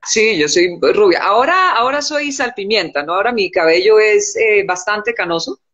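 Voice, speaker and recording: A woman, answering calmly as a guest on a live video chat from home. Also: medium pitch, moderate pace, dull audio. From born in the United States, raised in Colombia. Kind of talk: casual live-stream chat. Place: indoor room at home.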